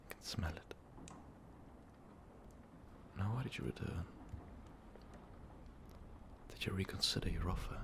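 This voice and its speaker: An ancient male vampire overlord, acted by a man, brooding and tormented in an intimate ASMR roleplay. His voice is very low and creaky, mostly sunk into a breathy whisper. He speaks slowly and wearily, with halting pauses. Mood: teasing, suspicious.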